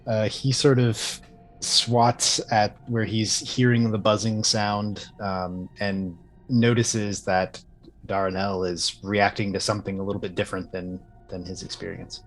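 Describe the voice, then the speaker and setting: Low-voiced man at a game table. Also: flat delivery, a little slow, faint music behind. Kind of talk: casual, describing character's actions.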